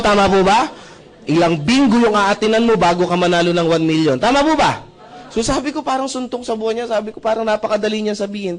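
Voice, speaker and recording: Sharing his personal testimony at a seminar, a man spins a lively motivational story. He voices the characters' dialogue, repeatedly checks for the audience's agreement, and his pitch and loudness jump around animatedly.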